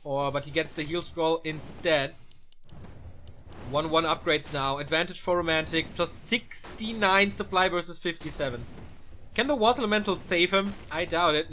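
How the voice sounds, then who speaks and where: A man casting a live esports match: fast, excitable play-by-play that climbs at big moments, and relaxed chat with viewers between games. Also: high voice, a little hiss or hum. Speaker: esports caster. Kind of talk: live video game match commentary.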